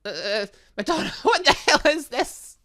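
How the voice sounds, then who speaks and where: A man's voice: very high-pitched, very animated, a little slow, sharp tone, pitched above the performer's own voice, exaggerated voice. A man voicing an awkward, earnest, bewildered young male student in a visual novel game, hesitant and flustered. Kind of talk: visual novel game dialogue read aloud.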